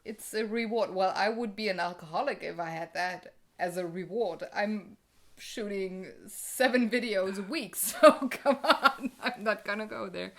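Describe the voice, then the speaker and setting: A young woman chatting casually about a board game, loud and animated, recorded on a couch at home. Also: medium pitch, unhurried. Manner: chatty, animated, laughs often. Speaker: co-host. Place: living room couch, indoors.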